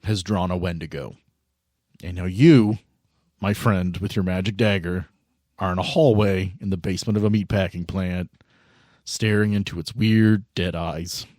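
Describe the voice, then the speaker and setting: A man's voice: low-pitched, steady tone, moderate pace, a little mellow, no room sound, clean studio sound. A man hosting and narrating a tabletop game in a playful, conversational way as he sets scenes. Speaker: host and game master.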